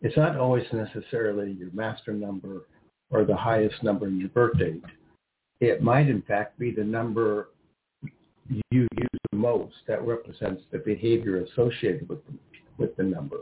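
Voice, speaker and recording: Low-voiced man on a tinny phone line. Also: normal speed, a little hiss or hum. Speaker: radio show co-host. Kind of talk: casual, rambling explanatory talk.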